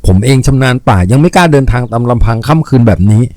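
A man reading aloud, voicing a lovelorn young male bandit chief in a low, earnest, tender tone. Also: lively intonation, fast talker, mellow, no room sound, natural voice.

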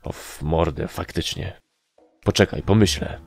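A man's voice: deep voice, unhurried, vocal fry, faint music behind, full character voice. A man doing a whiny sprite soldier. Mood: whining. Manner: whining, complaining.

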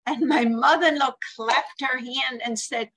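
A woman's voice: high-pitched, fairly even intonation, measured pace, a bit bright. Older Swiss-accented woman telling stories. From Switzerland. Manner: earnest, storytelling, acts out quoted family voices. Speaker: hospice speaker on care planning. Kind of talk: webinar talk with anecdotes. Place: home room, indoors. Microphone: video call.

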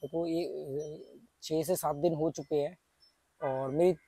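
A man's voice: fairly high pitch, fairly even intonation, slow, gravelly, warm tone, husky, no echo, poor audio. Chatty man with a sore throat. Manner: chatty, explains step by step with many fillers. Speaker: travel vlogger. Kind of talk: casual vlog talk to camera. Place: outdoor garden patio. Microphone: small clip-on mic on shirt.

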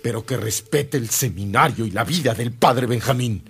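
An actor playing a calm, caring Catholic bishop in a radio drama, speaking earnestly and formally. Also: male voice, medium pitch, moderate pace, creaky, lightly acted. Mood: earnest, resolute.

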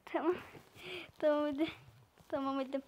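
A woman's voice: high-pitched, little pitch movement, moderate pace, muffled recording, slight background noise. A young woman with a Black Sea Turkish accent giving playful, chatty commentary to viewers while playing a game. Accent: Turkish, Black Sea (Trabzon). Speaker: gaming channel host. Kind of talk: casual gameplay commentary.

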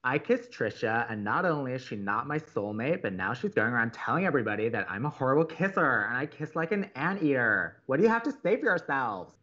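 An upbeat young college radio co-host in a romantic comedy podcast. He is chatty, wry and earnest, with a lively, moving pitch. The sound is slightly muffled. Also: a little fast, hardly any pauses. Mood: wry, animated. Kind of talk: romantic comedy audio drama dialogue.

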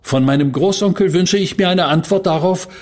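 An actor playing an impatient widowed gentleman at a séance, formal and irritable, breaking into stammers. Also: high voice, normal speed, natural voice. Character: uneasy, impatient widowed gentleman client, growing frightened. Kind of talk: radio play acting.

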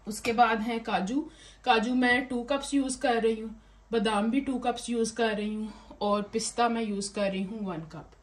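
In her home kitchen, a woman hosts a casual cooking demonstration, chatting through every step as she cooks. Her voice is fairly high and steady at a normal speed, picked up by a distant mic against noisy kitchen sounds.

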